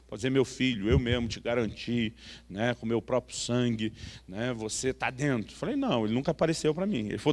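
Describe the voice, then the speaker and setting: A man's voice: medium pitch, big-room sound. A man with a Brazilian Portuguese accent preaching a sermon, telling a story and acting out the dialogue, with frequent tag questions. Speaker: pastor.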